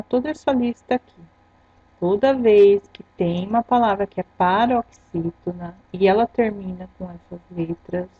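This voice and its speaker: Brazilian lady teacher going over grammar slowly, kinda husky, dull lo-fi sound. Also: medium pitch, dark tone, no room sound. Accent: Brazilian Portuguese. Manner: patient, explains step by step, ends phrases with "tá?". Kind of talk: recorded grammar lesson for students.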